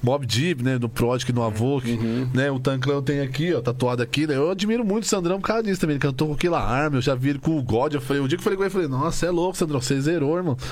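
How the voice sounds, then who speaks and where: Against noticeable background noise, a man talks very fast at a fairly high pitch with ordinary pitch variation, very even loudness and hardly any pauses. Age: 40s. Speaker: rapper. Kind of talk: casual chat.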